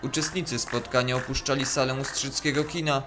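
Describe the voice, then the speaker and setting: A man reading a scripted news report with an even, formal delivery. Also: medium pitch, fairly quick, slight background noise. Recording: voice-over with music beneath.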